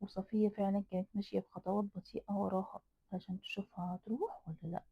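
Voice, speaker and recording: A woman's voice: mid-range voice, little pitch movement, racing, vocal fry, slightly rough, dry recording. A woman with an Egyptian accent narrating a horror folk tale dramatically, repeating phrases for emphasis. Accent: Egyptian Arabic. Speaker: storyteller. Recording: dry tinny phone-like sound.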